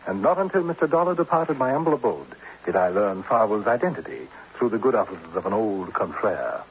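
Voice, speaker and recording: A man's voice: lowish voice, very animated, fairly quick. A smug, theatrical killer who savors every ornate phrase and sings his words up and down. It sounds like a thin, tinny 1950s radio broadcast with a light hiss. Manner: ornate, mocking, pleased with himself. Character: smug, florid older male killer.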